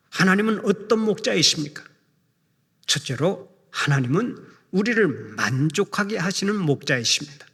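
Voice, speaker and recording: A middle-aged male pastor delivers a measured sermon, slowing down when he recites scripture. His voice sits somewhat high for a man. A long reverb trails through the large church hall. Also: fairly bright tone. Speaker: senior pastor. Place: church sanctuary.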